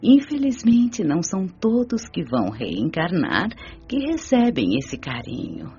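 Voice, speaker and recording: An actress voicing a calm, wise elderly grandmother spirit in a radio drama, speaking slowly and soothingly with a breathy voice. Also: lowish voice. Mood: gentle. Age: older. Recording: slightly dull audio. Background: soft background music.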